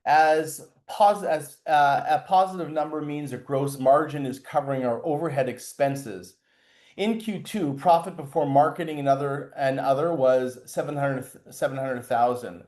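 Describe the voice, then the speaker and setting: A man speaking as a chief executive, giving a formal, scripted financial results presentation in a measured way, occasionally stumbling over words. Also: fairly high pitch, a little mellow. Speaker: company chair and CEO presenting.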